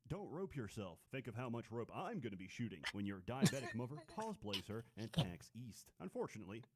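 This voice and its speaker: A man reading scripted satirical video narration with a deadpan, caustic comic delivery. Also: medium pitch, fairly quick, heavy background noise. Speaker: video game reviewer.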